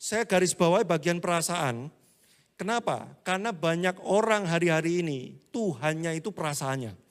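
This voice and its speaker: A man preaching a casual, humorous sermon, acting out church members and swinging between loud and hushed delivery. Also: on the high side, animated, moderate pace. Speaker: pastor.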